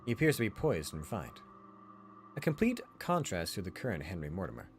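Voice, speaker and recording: Low-voiced man narrating over music. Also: huge pitch swings, a little fast. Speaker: host of a read-aloud channel. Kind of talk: expressive narration of a visual novel. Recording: music behind the voice.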